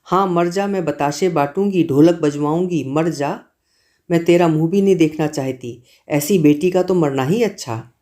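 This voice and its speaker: A man voicing an older mother in a storybook reading who wails and curses in outrage, her voice shrill and theatrical. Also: moderate pace, warm tone, close to an everyday voice. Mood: bitter. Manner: shrill, hysterical, theatrical lament.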